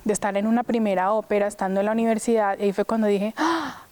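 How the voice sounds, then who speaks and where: A woman's voice: mid-range voice, level tone, rapid-fire, mellow. A young woman who sings opera, chatting casually in an interview and filling her speech with "pues" and "o sea". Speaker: opera singer.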